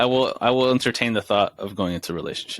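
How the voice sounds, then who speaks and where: A man's put-on, robotic character voice at medium pitch and a very fast pace. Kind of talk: stiff, flat delivery.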